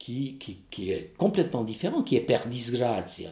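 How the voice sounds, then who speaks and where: A man with a Corsican accent at a fairly slow pace. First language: Corsican (speaking French). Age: 70s. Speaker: Corsican language teacher. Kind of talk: testimony. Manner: halting.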